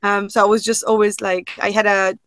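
Italian woman, thirties, chatty guest on a video call, dead-dry close sound, middle pitch. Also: level tone, a little fast, fairly bright tone, no room sound. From Italy. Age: 30s. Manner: chatty, many fillers and restarts. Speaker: podcast guest. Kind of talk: casual chat. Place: home room.

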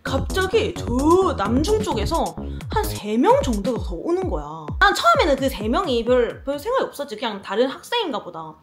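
A young woman telling a story in a casual vlog while doing her makeup, lively and acting out quoted lines. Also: sits high, normal speed, soft background music. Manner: animated, acts out quoted lines. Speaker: beauty vlogger.

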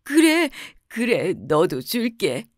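A woman's voice: medium pitch, big pitch swings, takes it slowly, dry recording, studio quality. A woman voicing a simple-hearted young bachelor son in a bedtime storybook reading, talking in a naive, earnest way. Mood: cheerful, naive.

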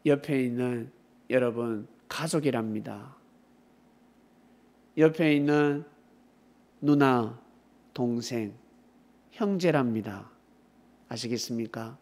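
A man's voice: medium pitch, takes it slowly, pauses often, a little mellow. A man preaching to teenagers, retelling a Bible story playfully, calling on kids by name and teasing them with questions. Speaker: youth pastor.

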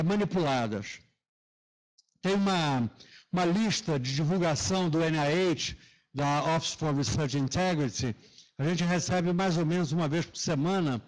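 Male academic lecturer, Rio Carioca accent, slightly high-pitched, s pronounced as hushing sh, semi-formal classroom delivery. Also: rough recording. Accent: Carioca (Rio de Janeiro) Brazilian Portuguese. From Rio de Janeiro, Brazil. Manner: hushing sh sound for s. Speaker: lecturer, professor. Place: lecture auditorium.

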